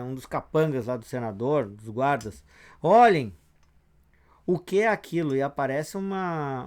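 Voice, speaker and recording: A man reading a western comic aloud in a casual retelling, narrating the panels and reading the characters' lines. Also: on the high side. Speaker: comic reader.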